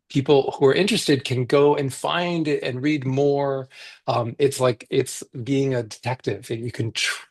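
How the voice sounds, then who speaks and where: A man speaks about his picture book in a relaxed panel conversation. His voice is slightly husky, and he talks with eager, animated enthusiasm, often restarting his sentences. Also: mid-range voice.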